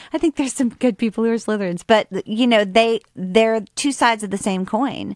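A woman's unremarkable speaking voice, fairly high in pitch with ordinary pitch variation, at a fairly quick pace with hardly any pauses, in a very clean recording with a silent background and a dry, close sound with no echo. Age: 50s. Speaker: novelist. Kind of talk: interview.

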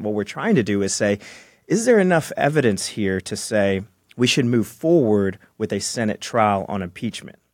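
A man with an American accent and an unremarkable speaking voice talks at a moderate pace with lively intonation, in a very clean recording with a silent background. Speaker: attorney and part-time judge. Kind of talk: radio interview, explaining law.

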